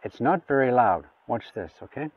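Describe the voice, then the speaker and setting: A man with a mid-pitched voice walks through a gadget in a casual, hands-on demo. He talks informally, explaining each step as he goes. The sound is thin and phone-like, with his voice a little away from the mic. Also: expressive, normal speed, no echo, recorded from a distance. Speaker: gadget reviewer. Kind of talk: casual hands-on product demonstration.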